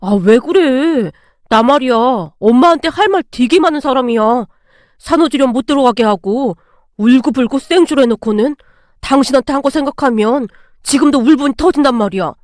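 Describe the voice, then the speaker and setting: A woman's voice: high voice, brisk, a little mellow, no room sound, studio quality, natural voice. A woman voicing a sarcastic adult son who needles his mother with taunting remarks. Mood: aggrieved.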